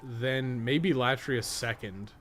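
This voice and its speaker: A man's voice: medium pitch, slow pace, a bit bright, slight background noise. A man giving casual gaming commentary, thinking aloud in a rambling, profane way with joking asides. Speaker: podcast co-host playing a video game.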